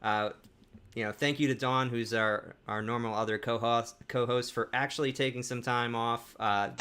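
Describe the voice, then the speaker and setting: A man co-hosting a live panel talk, speaking in a relaxed, conversational way with frequent restarts. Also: medium pitch, normal speed, smooth. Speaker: co-host.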